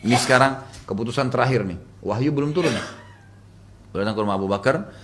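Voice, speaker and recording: A male preacher giving a religious study lecture, telling a story in a relaxed, conversational way with casual filler words. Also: medium pitch, fast talker.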